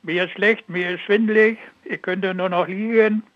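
A man's voice: high voice, steady tone, moderate pace, no room sound. A man calling a phone-in, chatting casually about his complaints and questions over a telephone line. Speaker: phone-in caller.

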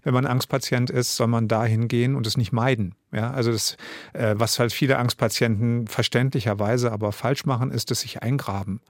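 A man's voice: medium pitch, fairly even intonation, a little fast, no room sound, clean studio sound. A man in his fifties from Germany, a writer and radio drama director, talking as a guest in a radio interview, reflective and self-mocking, with many fillers. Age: 50s.

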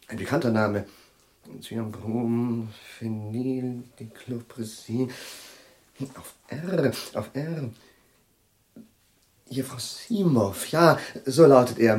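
An actor playing an eccentric, absent-minded chemistry professor in a radio play, hesitant and fumbling for words. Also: male voice, mid-range voice, takes it slowly, pauses often, a little mellow, natural voice.

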